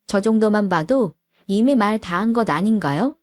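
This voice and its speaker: A woman's voice: mid-range voice, expressive, normal speed. A woman in her thirties narrating a first-person story in a confiding way, asking the listener questions.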